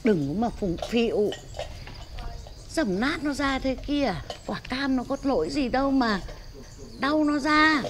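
A woman's voice: high-pitched, animated, measured pace. An actress playing a blunt, earthy old village woman who teases the young people around her in a TV drama. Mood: cheerful. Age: older. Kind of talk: TV drama acting.

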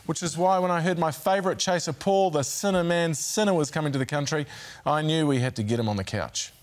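A man's voice: on the high side, a little fast. A man, presenting a TV magazine show in an upbeat, scripted way. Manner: upbeat scripted link reading. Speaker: TV host.

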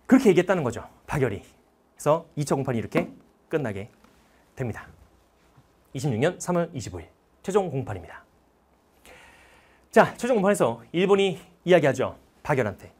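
A male history teacher giving a lively lecture that retells a film, a dramatic storyteller who quizzes his listeners with questions. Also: fairly high pitch, brisk, long pauses.

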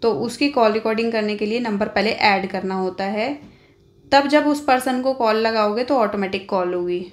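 A woman's voice: medium pitch, moderate pace. An Indian woman hosting an informal phone tutorial, explaining step by step and often adding little check-in tags. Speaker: tech tutorial host.

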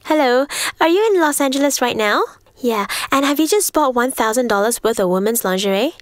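A woman's voice: sits high, expressive, brisk, no room sound, clean studio sound. A woman playing a polite bank call-center agent in a radio advert. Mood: polite, brisk.

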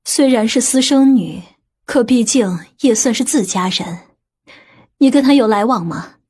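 Woman playing a stern, husky aunt. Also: on the high side, animated, a little slow, darkish tone. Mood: questioning. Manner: skeptical, blunt, reproving. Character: stern, principled, conservative middle-aged aunt. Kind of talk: audiobook character acting.

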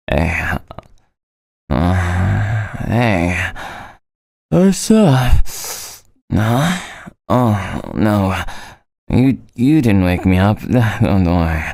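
A man voicing a drowsy, flustered, teasing male student in a scripted roleplay phone call, with a halting, sleepy morning voice. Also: on the low side, vocal fry, darkish tone, no echo, studio quality, exaggerated voice. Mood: groggy. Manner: halting, stammering.

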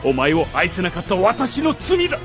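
Anguished widowed lord, impassioned radio drama, wide pitch swings, music behind. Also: male voice, wildly swooping pitch, normal speed. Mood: desperate pleading. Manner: theatrical, pleading, impassioned. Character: anguished guilt-ridden widowed nobleman and father. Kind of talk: Japanese radio drama acting.

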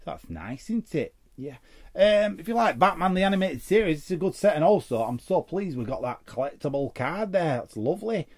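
A man's voice: on the high side, very animated, normal speed. A man giving casual, chatty unboxing commentary as host, muttering and repeating short phrases to himself. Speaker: host of a trading card opening show.

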